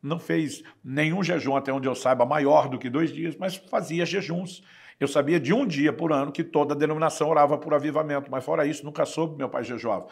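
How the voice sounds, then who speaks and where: Earnest man with a gravelly voice. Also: a little high. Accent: Brazilian Portuguese. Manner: earnest, measured explanation. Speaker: pastor. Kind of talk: teaching sermon with personal testimony.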